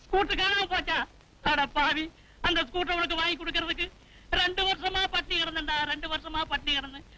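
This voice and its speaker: Loud blustering big brother, high quick voice, bright edge. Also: male voice, steady tone, slight background noise, exaggerated voice, low-quality recording. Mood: angry. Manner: shouting, threatening. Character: hot-tempered older brother, loud and blustering. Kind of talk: 1990s Tamil film comedy.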